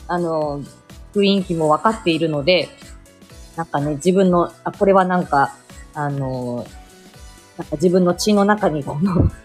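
A middle-aged woman from Aomori, a speech therapist, chatting casually on a morning livestream and answering listener comments, with lots of fillers and laughs. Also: mid-range voice.

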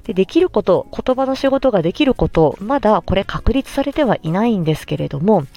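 A woman speech therapist hosting a solo podcast, explaining gently with many pauses and fillers. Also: mid-range voice, lively intonation, dull audio.

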